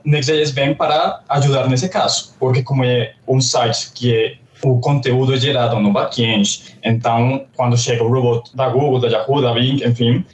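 A man's voice: mid-range voice, a little mellow, recorded from a distance, a little hiss or hum. Colombian man, echoey off-mic sound. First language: Spanish. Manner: explains with many "tipo assim" fillers. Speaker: developer guest. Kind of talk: casual podcast chat. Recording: echoey room, off-mic, faint ambience.

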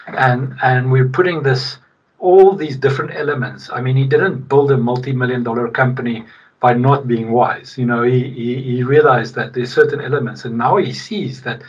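A South African man with a husky voice gives conversational interview answers. He speaks emphatically, repeating his points to drive them home. He sounds set back from the microphone, and the sound is slightly dull. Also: medium pitch. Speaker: podcast guest, logistics technology executive. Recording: distant, slightly muffled mic.

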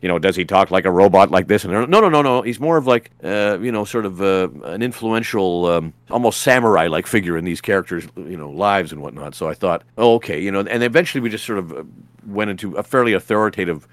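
A man's voice: low voice, quick pace, no room sound. A man, a voice actor guest on a podcast, telling rambling anecdotes with lots of restarts and fillers. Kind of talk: casual podcast interview.

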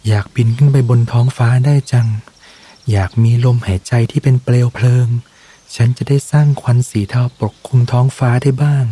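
A man voicing a timid, hopeless young night dragon in a storybook, with a husky, dark voice. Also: medium pitch, fairly quick, voice pushed up, natural voice. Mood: wistful.

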